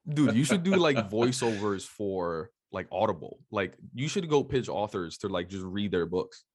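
A man hosting a podcast, upbeat and energetic, chatting in slangy, casual speech and greeting listeners in Spanish. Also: on the low side, normal speed, breathy edge. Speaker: podcast host. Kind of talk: casual podcast intro and interview.

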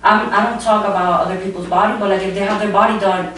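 A woman's voice: medium pitch, steady tone, quick pace, a bit bright. A young Dominican woman in her early twenties talking earnestly in an interview, filling her sentences with likes and ums. She sits far from the mic in a very echoey room with a faint hum. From Dominican Republic. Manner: earnest, frequent likes and fillers. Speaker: plus-size model. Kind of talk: casual interview answer.

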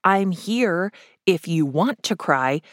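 A woman's voice: lowish voice, animated, takes it slowly, no echo, clean studio sound. A woman hosting a podcast, narrating in a wry, playful scripted style with joking asides. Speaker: podcast host.

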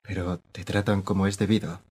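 A man playing a quiet, husky lute player. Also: deep voice, little pitch movement, fairly quick. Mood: uneasy. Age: 40s. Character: lute virtuoso visiting his old teacher in prison.

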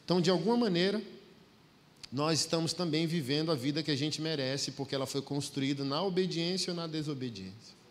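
A man's voice: on the high side, fairly quick. A middle-aged man from Brazil preaching a sermon in a folksy, emphatic way, acting out bits of dialogue. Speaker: pastor. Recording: long hall reverb.

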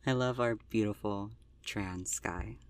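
A performer acting in an audio drama as an anxious, tender young driver with a gentle, hesitant, earnest way of talking. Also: mid-range voice.

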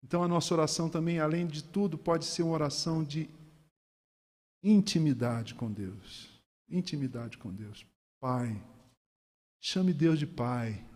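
A man preaching a sermon to a congregation, animated and firing rhetorical questions. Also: fairly high pitch, normal speed, big-room sound.

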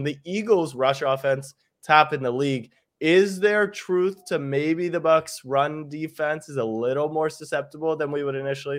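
A young man hosting a casual sports show, asking brisk, teasing questions. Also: medium pitch. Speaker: podcast host.

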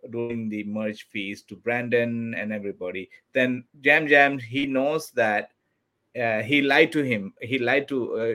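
A man's voice: mid-range voice, a bit bright. A man from Sri Lanka, a podcast guest and former contestant, answering questions eagerly and emphatically while he searches for words. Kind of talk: casual interview answers.

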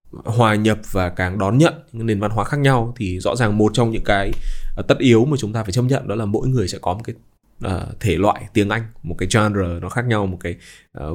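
A man hosting a podcast in casual chat, explaining at length and dropping in English terms. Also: lowish voice. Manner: explanatory, mixes in English terms, many fillers. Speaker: podcast host.

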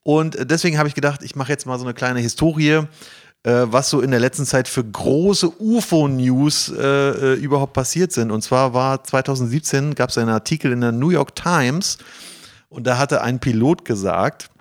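A man hosting a podcast, chatting casually in a halting, informal and excitable way. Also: medium pitch. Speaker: podcast host. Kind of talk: casual chat, presenting to co-hosts.

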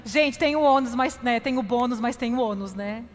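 A woman's voice: fairly high pitch, moderate pace. A woman pastor, giving a sermon and telling a self-mocking personal story while addressing the congregation directly. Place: church hall, preaching from a stage. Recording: long hall reverb with faint music.

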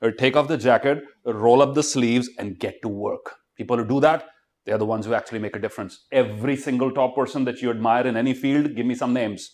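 A man's voice: mid-range voice, steady tone, brisk, a little mellow. A middle-aged man with an Indian accent giving students a motivational talk, emphatic and exhorting, often firing questions at them. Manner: emphatic, exhorting, fires rhetorical questions at the audience. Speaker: motivational speaker.

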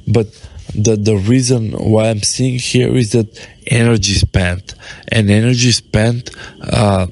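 A man, talking casually on his rooftop about family and business, rambling with many restarts. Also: fairly low pitch. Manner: rambling, with restarts and loose English. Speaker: podcast host and business owner. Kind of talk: casual talk to camera. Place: on his apartment rooftop, outdoors.

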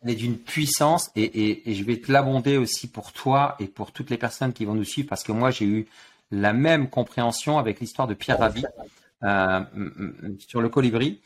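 Animated man explaining coaching ideas. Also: medium pitch, moderate pace. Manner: animated teaching with sports analogies, repeats words. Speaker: guest coach. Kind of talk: explanatory interview talk.

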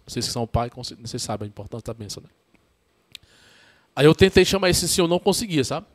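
A man with a northeastern Brazilian accent from Ceará, a Catholic priest telling his story in a casual podcast interview, halting and repetitive, often tagging sentences with a question. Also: mid-range voice, a little mellow.

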